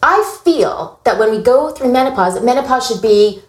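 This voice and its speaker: A woman in her late forties with a high voice talks frankly and with humor in casual panel chat. She comes across as candid and a bit exasperated. The sound has a roomy echo around it. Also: moderate pace. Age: 40s. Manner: candid, joking, lively and exasperated. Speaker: panel guest, body image workshop founder.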